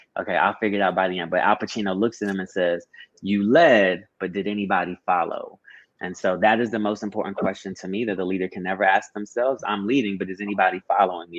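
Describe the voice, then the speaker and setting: A man with a fairly low pitch speaks very fast, keeping his intonation fairly even. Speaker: media company CEO. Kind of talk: interview. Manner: usually speaks very fast.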